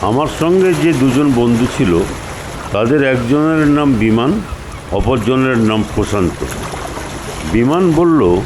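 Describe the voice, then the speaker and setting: Male storyteller for audio drama, higher-pitched lively range, deliberate pauses, reverberant over music. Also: background noise. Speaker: story narrator. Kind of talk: dramatic scripted narration. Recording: echoey reverb, music underneath.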